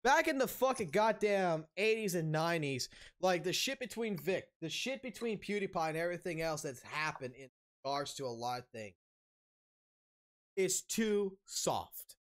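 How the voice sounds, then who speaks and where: A man's voice: high-pitched, expressive, normal speed, fairly bright tone. A man in his thirties ranting on stream in an open discussion, heated and profane, restarting his sentences often. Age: 30s.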